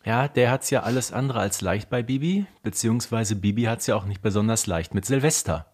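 A woman co-hosts a podcast in a casual, conversational style. Her voice has a husky, slightly rough edge to it. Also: extremely low pitch, animated, a little fast, a little mellow. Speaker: podcast co-host.

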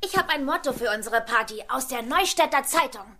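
A woman's voice: high voice, expressive, fairly quick, sharp tone, a little hiss or hum, exaggerated voice. A woman playing a brash, cheeky teenage punk witch girl in a children's audio drama, with a snotty, affected manner. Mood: eager, cheeky.

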